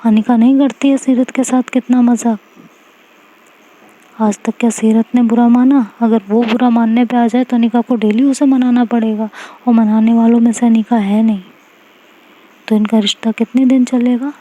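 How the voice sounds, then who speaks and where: A woman's voice: fairly high pitch, flat delivery, moderate pace, mellow, a little hiss or hum, natural voice, low-quality recording. A woman voicing an outspoken young woman who lectures and scolds her friends. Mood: lecturing. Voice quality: scolding, emphatic.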